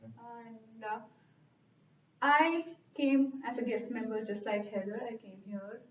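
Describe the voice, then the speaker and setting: A woman in her thirties from India with an Indian accent, earnestly answering interview questions at a careful, steady pace. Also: a little high, slow. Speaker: club member interviewee. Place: club meeting room. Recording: roomy, distant, dull sound.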